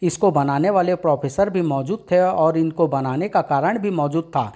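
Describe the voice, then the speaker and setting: A man's voice: a little high, moderate pace, warm tone, lightly acted. A gloating invisible supervillain from a narrated comic story, voiced by a man. He brags about his schemes and threatens with plain menace. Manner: boastful, menacing.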